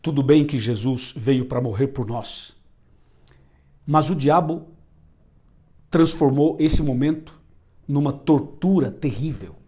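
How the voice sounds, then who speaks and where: A man's voice: medium pitch, takes it slowly, pauses often, warm tone. A man with a Brazilian Portuguese accent preaching a sermon, emphatic and repeating phrases for effect.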